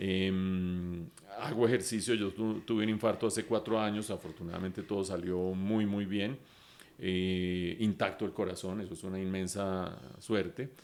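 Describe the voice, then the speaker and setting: This man has a very deep, low pitch. He speaks at a fairly slow pace with fairly even intonation. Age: 60s. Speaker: economist. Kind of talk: casual chat.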